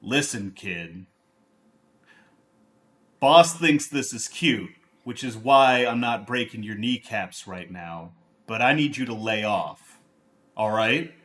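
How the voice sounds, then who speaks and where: Man voicing a low, gravelly, growling oni enforcer. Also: lively intonation, fairly bright tone. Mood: menacing. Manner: slow, threatening, condescending. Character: menacing blue oni crime enforcer, male, weary thug.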